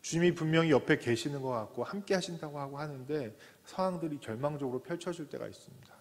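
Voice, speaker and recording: A man's voice: on the high side, quick pace. Man, pastor, sermon, voices the people in the story, long church reverb. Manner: acts out voices of the people in the story, from shouting to soft whispers. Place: church sanctuary.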